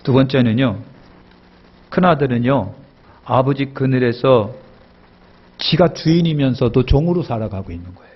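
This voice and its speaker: A man's voice: medium pitch, normal speed, pauses often, slightly rough, lo-fi sound. A male pastor preaching a sermon emphatically, repeating key phrases and asking the congregation questions.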